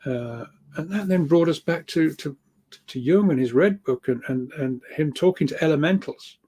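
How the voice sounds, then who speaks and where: A man's voice: fairly high pitch, moderate pace, warm tone, breathy edge. A man explaining ideas informally as a guest speaker, rambling along and often repeating his words as he goes. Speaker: guest speaker, researcher of earth energies.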